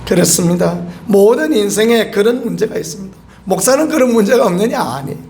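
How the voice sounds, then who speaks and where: A man's voice: high-pitched, lively intonation, fairly quick, creaky, darkish tone. A middle-aged man preaching a sermon as a pastor, asking the congregation rhetorical questions and bursting into emphatic exclamations. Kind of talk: early-morning sermon. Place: church sanctuary.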